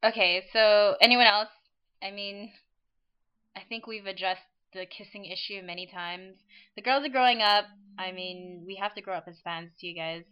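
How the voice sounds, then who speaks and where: A woman's voice: mid-range voice, moderate pace, clear, resonant tone, muffled recording. A woman hosting a casual online fan chat, rambling and laughing often as she talks. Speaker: podcast host.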